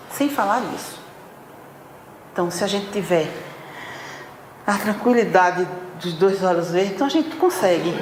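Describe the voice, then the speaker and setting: A woman giving a spiritual talk at a spiritist center, chatty and animated as she acts out everyday scenes. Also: medium pitch. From Northeast Brazil. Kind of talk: spiritual talk to a live audience. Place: meeting hall of a spiritist center. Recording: roomy hall, faint background noise.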